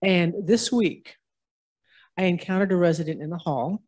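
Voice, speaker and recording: A woman's voice: on the low side, normal speed, darkish tone, husky. A woman, a care home administrator, chatting on a panel about residents. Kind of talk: panel answer.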